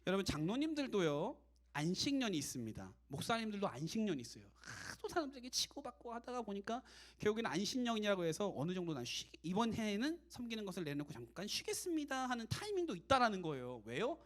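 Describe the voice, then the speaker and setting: Fast, animated male youth pastor. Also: high-pitched. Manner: animated, conversational, switches to casual speech. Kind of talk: casual sermon to young adults.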